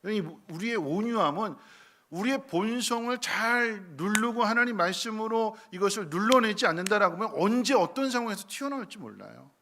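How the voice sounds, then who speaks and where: A male pastor preaching a sermon in a church. He swings between soft, low passages and loud, emphatic bursts, and acts out the prayers he quotes. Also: expressive, a little fast, slight background noise. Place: church sanctuary.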